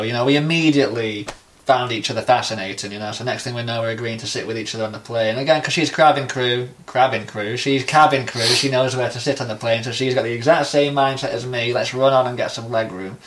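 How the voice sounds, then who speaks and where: A young man co-hosting a podcast, telling a travel story in a relaxed, self-amused way. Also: mid-range voice, fast talker, a little hiss or hum. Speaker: podcast co-host. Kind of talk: casual podcast chat.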